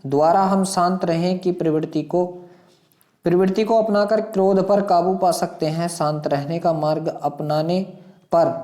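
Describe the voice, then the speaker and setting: A man with a slightly high, warm voice teaches an exam lesson. He reads questions and passages aloud instructively, repeats phrases, and poses questions to his students.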